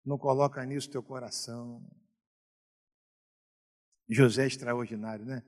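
A middle-aged Brazilian man preaching a sermon as a pastor, telling stories and moving from quiet asides to loud exhortation. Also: mid-range voice, fairly even intonation, moderate pace, long reverb tail. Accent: Brazilian Portuguese.

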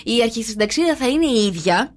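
A woman co-hosting a morning radio show, gossipy and quick with retorts. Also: fairly high pitch, lively intonation. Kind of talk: casual radio banter.

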